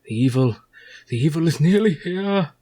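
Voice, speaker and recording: Dramatic old doomsaying tribal seer. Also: male voice, a little high, expressive, moderate pace, dark tone, husky, pitched above the performer's own voice. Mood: fearful. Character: fearful old tribal seer, fatherly and prophetic.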